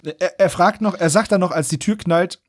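Casual male podcast host, slightly high-pitched, colloquial recapper with mock outrage, dry studio-like sound. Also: normal speed, dry recording. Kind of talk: casual chat, recapping and commenting on an audio drama.

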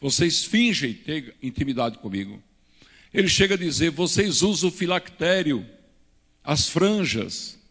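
A man's voice: a little high, sing-song, a little slow, fairly bright tone. An older man from Brazil, a pastor preaching a teaching sermon at a pulpit into a handheld mic, with emphatic rises and gestures. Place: church stage at a pulpit. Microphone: handheld microphone. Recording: reverberant church hall.

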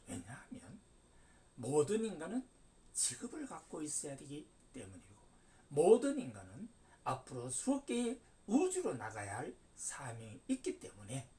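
Seventy-year-old man preaching with wildly swooping pitch. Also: a little mellow. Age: 70s. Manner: emphatic, declaiming with sudden rises and falls. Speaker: religious lecturer. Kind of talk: preaching lecture. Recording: distant mic.

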